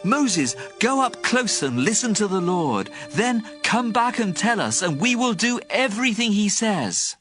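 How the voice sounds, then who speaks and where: An actor playing an awestruck, fearful tribal leader, pleading fervently and urgently in a dramatized audio Bible. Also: male voice, high voice, sing-song, a little slow, hardly any pauses, fairly bright tone, faint music behind, full character voice.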